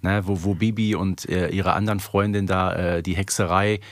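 A man's voice: deep voice, fairly even intonation, moderate pace, no echo. A man co-hosting a podcast in a casual, conversational style. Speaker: podcast co-host.

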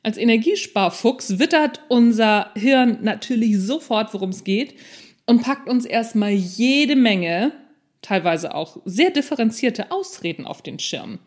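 A woman's voice: a little high, expressive, a little slow. A woman hosting a solo podcast in an informal, conversational way, addressing the listener directly with self-deprecating humour. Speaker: podcast host and non-fiction author.

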